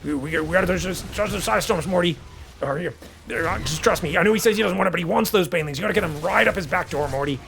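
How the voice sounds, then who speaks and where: A man's voice: high voice, fast talker, vocal fry, a bit bright, faint music behind. Rick Sanchez, as a man puts him on: cranky old cartoon scientist. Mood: goading.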